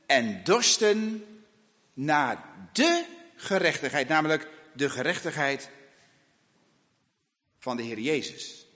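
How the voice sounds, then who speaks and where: Man, preacher, sermon, fairly high voice, slow emphatic delivery, long church reverb. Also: fairly bright tone.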